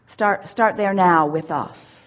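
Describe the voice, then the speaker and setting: A woman giving a spiritual teaching at a seminar, speaking as "we" in an emphatic, drawn-out way. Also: lowish voice. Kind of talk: channeled teaching in first person plural.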